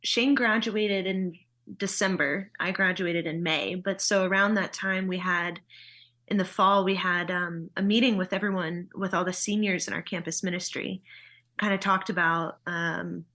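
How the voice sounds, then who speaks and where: A woman in her early thirties, a missionary guest in an interview, recounting events in a steady, matter-of-fact way. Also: on the low side, moderate pace. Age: 30s. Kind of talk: conversational interview.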